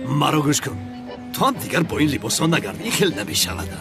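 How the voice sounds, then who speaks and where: A loyal, protective young man, dubbed by a man who pushes back insistently. His voice sits high for a man. Clear music runs underneath. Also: sing-song. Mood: defiant. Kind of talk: film dub.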